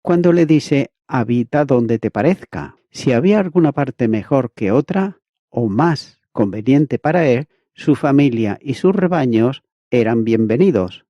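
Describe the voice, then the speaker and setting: A man with a dark, mellow voice reads aloud an expository Bible commentary, steady and methodical, like a teacher working through prepared notes. The recording is dry and close, with a dull, slightly lo-fi sound. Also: mid-range voice, no room sound. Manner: measured, methodical reading of a prepared text.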